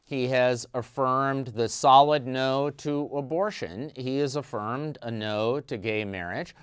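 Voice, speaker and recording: A middle-aged man talks through the week's church news in a measured, explanatory way, pausing often on "uh." His voice is smooth and resonant at an ordinary pitch. The sound is dry and close, with no room echo. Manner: measured, explanatory, frequent "uh" fillers. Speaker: news analyst. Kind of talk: news commentary.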